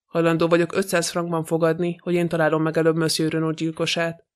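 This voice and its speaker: A fussy, proud older detective, voiced by a male reader speaks in a precise, polite way. The voice sits fairly high and stays flat and even, with little rise or fall, as in a plainly read audiobook. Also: smooth, natural voice.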